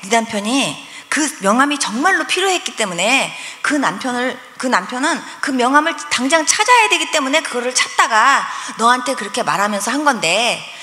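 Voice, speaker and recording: A woman preacher voicing God as a patient, gentle parent who calmly corrects her, in a lower, instructive tone. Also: brisk, hardly any pauses. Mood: gently correcting. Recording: echoey hall with long reverb.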